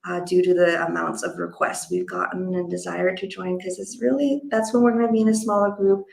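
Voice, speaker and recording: A woman's voice: fairly low pitch, steady tone, brisk, gravelly, a little mellow, roomy sound. A woman hosting a casual online interview, speaking effusively and peppering her talk with "like". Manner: effusive, uses casual filler words like "like". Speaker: host and event organizer.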